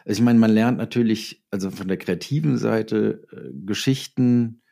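The author-filmmaker, a middle-aged man, recounts work stories at a normal pace in a low voice that's gravelly and warm. As a relaxed interview guest, he performs snippets of dialogue along the way.

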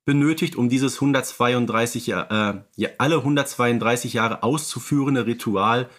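A man's voice: mid-range voice, moderate pace, fairly bright tone. Chatty man with many fillers. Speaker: podcast co-host. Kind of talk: casual podcast chat about radio plays.

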